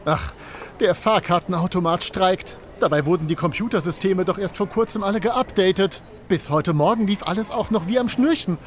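An actor playing a polite, flustered railway station attendant in a children's audio drama. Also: male voice, sits high, normal speed, lightly acted. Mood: friendly, exasperated. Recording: music behind the voice.

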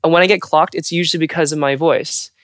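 A woman's voice: low voice, fast talker, no echo, clean studio sound. A trans woman from California, a Foley artist, chatting casually on a podcast with a fairly androgynous voice. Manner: animated, androgynous voice.

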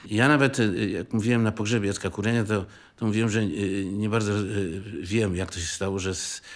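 An older man, sixty or more, reminiscing in a halting way with restarts and checks for agreement. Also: lowish voice, fairly even intonation. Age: 60s or older. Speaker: interviewee, former scout. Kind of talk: reflective reminiscence.

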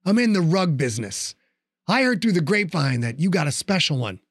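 A man's voice: a little high, sing-song, fairly quick, no room sound, clean studio sound. A man voicing a cocky, wisecracking male fighter who talks with mock politeness. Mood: mock-polite.

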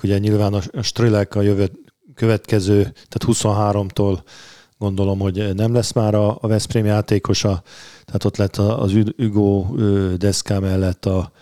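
A man chatting about handball signings in a relaxed way, pausing often with fillers and restarting his sentences. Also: lowish voice, dry recording, clean studio sound. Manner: hesitant, many fillers and restarts. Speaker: handball pundit. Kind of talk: casual sports chat.

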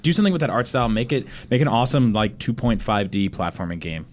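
Fast-talking man in casual chat. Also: on the low side, lively intonation, slight background noise. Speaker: podcast panelist. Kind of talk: casual chat about video games.

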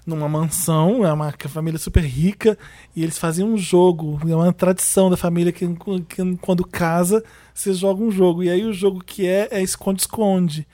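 A man's voice: sits high, fairly even intonation, normal speed, warm tone, dry recording. A man co-hosting a casual chat, rambling and easily amused, from Brazil. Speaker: podcast co-host.

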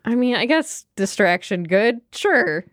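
A woman playing a tabletop game, unsure and halting as she asks questions. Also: a little high, sing-song, dry recording, studio quality. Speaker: player. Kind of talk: casual tabletop game chat.

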